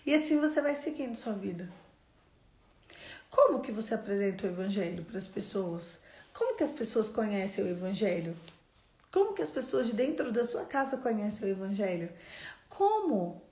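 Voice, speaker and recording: A woman's voice: mid-range voice, very animated, moderate pace, darkish tone. Questioning woman preacher, echoey room. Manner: asks the audience many questions; repeats key phrases for emphasis. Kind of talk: sermon with storytelling.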